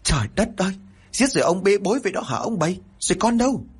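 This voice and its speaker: A man voicing a frantic young village mother with a Southern Vietnamese accent, pleading, crying and shouting. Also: on the high side, very animated, fast, husky, voice pushed up, exaggerated voice.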